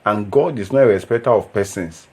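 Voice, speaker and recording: A man's voice: fairly low pitch, brisk, darkish tone, slightly rough. An actor playing an earnest young Christian man who preaches and pleads. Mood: preachy. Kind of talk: film drama acting.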